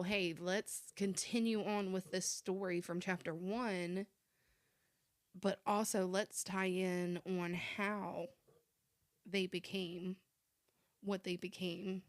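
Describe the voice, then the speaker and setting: A woman's voice: fairly low pitch, no room sound. Woman chatting movies on a podcast, teasing her cohost, dry close mic. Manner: teasing, conversational. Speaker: podcast co-host. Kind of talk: casual movie review chat.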